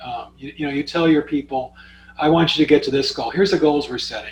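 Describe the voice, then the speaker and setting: At a fairly quick speed, a man talks in a somewhat breathy voice. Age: 60s. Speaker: business author and leadership expert. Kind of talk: interview.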